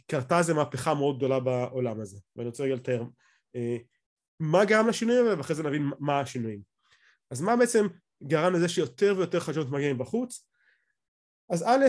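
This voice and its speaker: Higher-voiced Israeli man lecturing. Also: a little mellow. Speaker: academic lecturer. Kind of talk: explanatory lecture over slides, speaking off the cuff. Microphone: video call.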